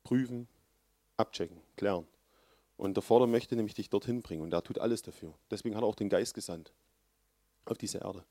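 A man preaching a sermon, with earnest, loud emphasis that drops to low, quiet lines. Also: brisk, pauses often, dry recording, clean studio sound.

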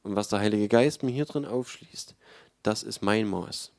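A man's voice: on the low side, normal speed, no echo, clean studio sound. A man giving a sermon in a conversational, emphatic way, with frequent fillers. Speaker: preacher.

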